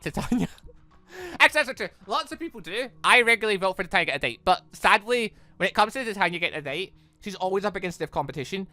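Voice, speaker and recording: An excitable, chatty let's player giving casual reaction commentary on a video game. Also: medium pitch, dry recording.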